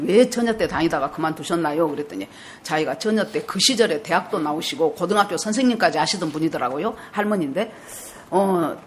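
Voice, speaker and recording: A woman's voice: mid-range voice, slight background noise. A woman pastor in her sixties preaching in a storytelling way, acting out dialogue and repeating words for emphasis. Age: 60s. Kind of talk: storytelling sermon.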